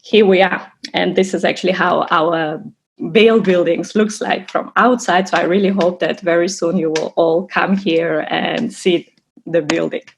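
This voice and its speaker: Over a video call, an Armenian-born assistant professor in her thirties who grew up in Russia walks through a course overview at a measured pace. Her lowish, steady, gravelly voice comes with a slight hiss or hum, and she often restarts while explaining carefully.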